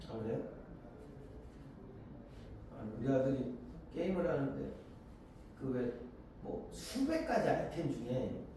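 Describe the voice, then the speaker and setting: A man's voice: medium pitch, dark tone. A man in his forties teaches a literature class from the front of a big classroom, his voice rising and falling a lot as he talks. He keeps asking students to agree and acts out bits of dialogue. The sound is very echoey and distant, with a faint hiss underneath. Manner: acts out the lines of characters and students in quick voices. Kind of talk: classroom lecture.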